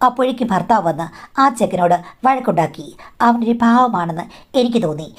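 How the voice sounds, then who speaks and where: Middle-aged woman telling her life story, confiding and emotional, middle pitch. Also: lively intonation, a little fast. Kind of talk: first-person story narration.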